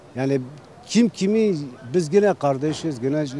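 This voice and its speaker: Over noticeable background noise, a man speaks in a fairly high voice with lively intonation. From Turkey, Diyarbakır (Kurdish). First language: Kurdish (speaking Turkish). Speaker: passer-by in street interview. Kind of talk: street interview, political opinion. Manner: animated, passionate.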